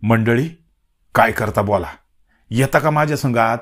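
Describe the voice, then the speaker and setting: A man's voice: mid-range voice, unhurried, lightly acted. A man voicing a bold, hot-tempered village man with a rural Marathi dialect, talking bluntly and scolding.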